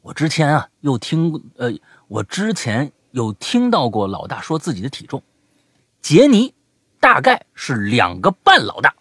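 Animated husky male podcast host. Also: medium pitch, a little slow, no room sound, studio quality. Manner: animated storytelling, drops to a whisper for suspense. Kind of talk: retelling listener stories in casual chat.

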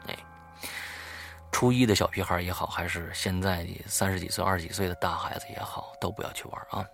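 A man's voice: deep voice, steady tone, brisk, vocal fry, fairly bright tone, faint music behind. A man in his thirties telling a spooky first-person ghost story, dropping to a whisper at tense moments. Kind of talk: spoken ghost story narration.

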